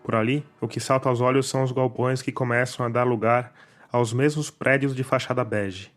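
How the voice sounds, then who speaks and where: A man's voice: mid-range voice, fairly even intonation, moderate pace. A Brazilian man hosting a podcast, reading scripted documentary narration over a music bed.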